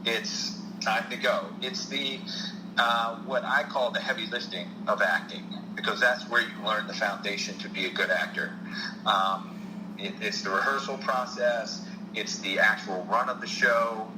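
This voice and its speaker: A man's voice: fairly low pitch, steady tone, measured pace, echoey room, noisy background. A man with a South Jersey, Philadelphia-area accent, an actor and stunt performer giving earnest advice in an interview. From South Jersey, United States. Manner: earnest, repeats key points for emphasis. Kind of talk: podcast interview.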